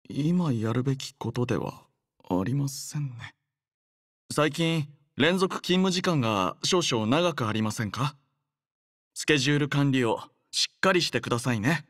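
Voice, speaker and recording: A male voice actor playing a composed, dutiful young android squad leader in an anime game, speaking politely and formally with measured, gentle care. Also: medium pitch, no echo, clean studio sound. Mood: tender, reflective. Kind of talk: anime game character voice lines.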